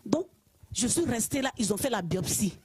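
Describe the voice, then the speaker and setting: A woman from Côte d'Ivoire with an Ivorian French accent, telling her personal testimony in church in a lively way, often laughing. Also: on the high side, moderate pace, husky, no room sound. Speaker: church member giving testimony.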